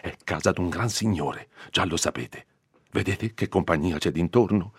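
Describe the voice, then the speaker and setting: A man voicing a fearful, irritable old male country priest who scolds in hushed urgency. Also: low voice, normal speed, slightly rough, no echo, clean studio sound. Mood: stern lecturing.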